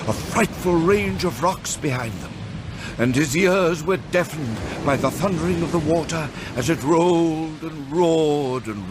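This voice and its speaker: A man narrating a Victorian Christmas ghost tale for radio drama in a measured, expressive storytelling manner. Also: fairly high pitch. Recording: loud sound-effect noise behind the voice.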